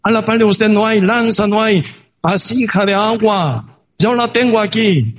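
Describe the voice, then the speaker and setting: A man's voice: high voice, unhurried, slight background noise, voice pushed up. A man voicing a young male warrior who pleads his loyalty to a king, in an earnest, raised voice. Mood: pleading.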